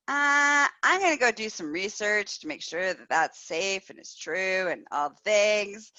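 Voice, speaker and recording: Woman, slightly low pitch, very bright tone, candid chatty host, playful emphasis, echoey slightly dull recording. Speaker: host of a personal sex-life show. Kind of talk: casual chatty storytelling. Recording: roomy echo, slightly dull sound.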